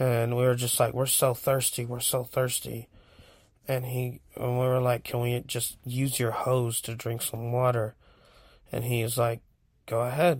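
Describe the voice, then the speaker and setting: A man with an American accent speaks in a somewhat breathy voice at a medium pitch, at a fairly slow pace and with monotone, flat intonation. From California, Seaside/Monterey. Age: 20s. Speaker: podcaster. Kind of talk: casual monologue.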